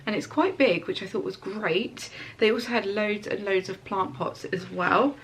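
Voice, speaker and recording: A woman's voice: medium pitch, normal speed, slight background noise, poor audio. A woman, congested and stuffy-nosed, chatting in a bubbly, gushing way while sitting on her bedroom floor. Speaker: home and lifestyle vlogger. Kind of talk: casual chatty haul video.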